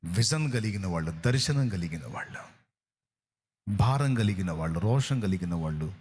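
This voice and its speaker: A low, husky, slightly mellow voice belongs to a Telugu-accented pastor preaching at a moderate pace. Animated and emphatic, he asks rhetorical questions and acts out quotes.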